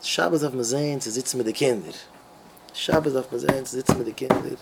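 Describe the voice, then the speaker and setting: A rabbi giving a Yiddish sermon with a Hasidic Yiddish accent. He tells stories in an excitable, animated way, stumbling over many restarts. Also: mid-range voice, fast, creaky, very noisy.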